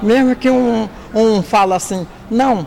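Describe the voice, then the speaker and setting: A woman's fairly high voice with lively intonation at a very slow pace, amid audible room echo and noticeable background noise. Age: 70s. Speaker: religious leader, cultural tradition keeper. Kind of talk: interview soundbite. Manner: casual.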